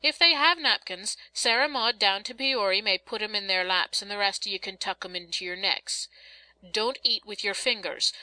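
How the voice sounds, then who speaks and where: A woman's voice: medium pitch, moderate pace, sharp tone, no room sound, rough recording. A woman voicing a bossy, sarcastic but loving working-class mother who scolds and instructs in folksy rustic dialect, as in a storybook reading. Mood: bossy instructing.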